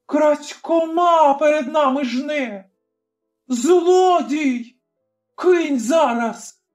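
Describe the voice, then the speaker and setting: A narrator voicing a young village woman who shouts in anger and sobs through her words, in an audiobook. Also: very slow, soft background music, exaggerated voice. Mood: furious. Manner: shrill, shouting and crying. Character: young village woman, wronged, furious and sobbing. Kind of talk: audiobook character voice.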